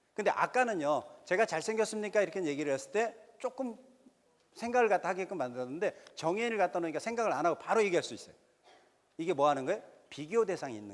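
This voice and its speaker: A man at a high pitch with lively intonation, big swings in loudness, a very fast pace and long, frequent pauses. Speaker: college admissions lecturer. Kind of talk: lecture. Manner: animated.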